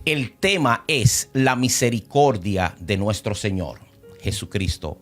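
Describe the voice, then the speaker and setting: Man hosting a Christian program, lively pitch, animated, faint music behind. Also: takes it slowly. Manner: animated, with frequent exclamations. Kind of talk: program host and Bible teaching.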